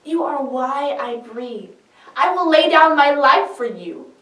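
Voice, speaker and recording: A woman's voice: sits high, expressive, takes it slowly, a bit bright, pitched above the performer's own voice, exaggerated voice. A woman playing a devoted male disciple pleading fervently with his master in a dramatic scripture reading. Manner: fervent, emphatic. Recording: echoey room, distant microphone.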